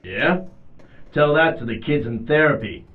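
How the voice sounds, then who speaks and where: An actor playing a jaded, deadpan policeman in an audio drama, recorded with slightly dull sound. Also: on the high side, measured pace.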